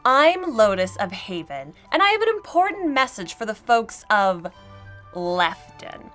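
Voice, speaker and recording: An imperious female leader of a small settlement, played by a woman in an audio drama. She speaks primly and condescendingly, with lively intonation and polite menace. Soft music sits under her voice. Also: on the high side, a little slow. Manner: prim, condescending, politely threatening. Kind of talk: comedic audio drama monologue.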